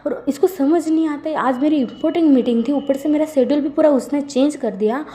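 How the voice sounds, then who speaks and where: A woman's voice: medium pitch, little pitch movement, warm tone, natural voice. A woman voicing a short-tempered young male boss who rants and scolds. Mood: furious. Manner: scolding, rapid ranting.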